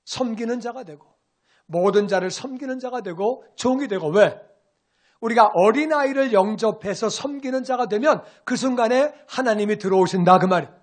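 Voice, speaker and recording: A man preaching a sermon as pastor, animated and conversational, with colloquial asides and quoted voices acted out. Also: very high voice, moderate pace.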